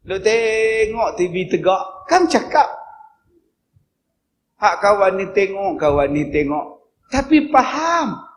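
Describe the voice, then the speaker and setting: Man preaching w northern malay dialect, funny stories, yells out high now and then, faint hiss in the room. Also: big pitch swings, slow pace, long pauses. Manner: storytelling with sudden loud high bursts. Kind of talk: humorous religious lecture.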